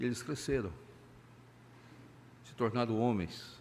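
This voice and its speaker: There is audible room echo as a man with a medium pitch talks at a fairly slow pace. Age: 70s. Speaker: pastor. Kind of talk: sermon. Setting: church.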